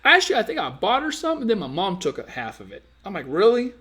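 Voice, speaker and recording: A man's voice: sits high, huge pitch swings, fast talker, pushed and bright, husky. A man hosting a dating-advice live stream, casually reading viewer comments and teasing them in a playful, slangy way.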